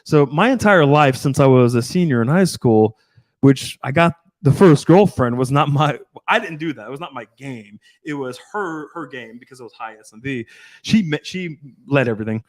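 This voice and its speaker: A man's voice: mid-range voice, lively intonation, normal speed, no echo. A man in his thirties with a mid-range voice rambles through a casual podcast chat as a dating coach. He swears freely and keeps restarting his sentences. The sound is dry and close. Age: 30s. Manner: rambling, profane, restarts often.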